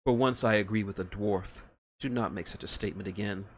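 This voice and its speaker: A man's voice: on the low side, fairly quick, a little hiss or hum, natural voice. A man voicing a cold, formal elven woman sniper who speaks in a clipped, precise way. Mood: icy.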